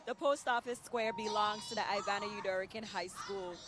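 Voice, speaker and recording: A woman's voice: medium pitch, fairly even intonation, brisk. A woman co-hosting live parade commentary outdoors in an upbeat, effusive, celebratory way. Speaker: parade broadcast co-host.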